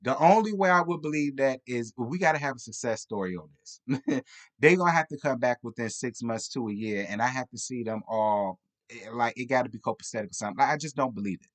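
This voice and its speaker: A man's voice: medium pitch, fairly quick. An American man giving a casual comedic TV recap, talking in a sassy, blunt, slangy and rambling way. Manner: tipsy, rambling. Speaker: reality TV reviewer.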